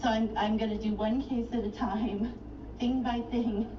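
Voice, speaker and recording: A woman's voice: on the high side, fairly even intonation. Agitated woman arguing at a court counter. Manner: agitated, indignant, rapid-fire complaining. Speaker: self-represented litigant filing a case. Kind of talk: filmed argument at a court clerk counter. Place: courthouse clerk's counter indoors. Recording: echoey, distant, muffled and noisy.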